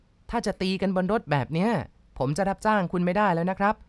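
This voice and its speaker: A woman's voice: mid-range voice, fairly even intonation, dry recording, lightly acted. A woman doing a scared taxi driver. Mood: firm. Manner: pleading, slow and strained. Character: nervous male taxi driver, firm but scared.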